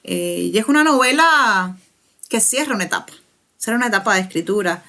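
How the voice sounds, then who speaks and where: A young Cuban woman with a Cuban Spanish accent, a writer answering interview questions thoughtfully, pausing and restarting as she searches for words. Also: medium pitch, lively intonation, bright, forceful tone. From Cuba. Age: young adult. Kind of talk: reflective conversational interview.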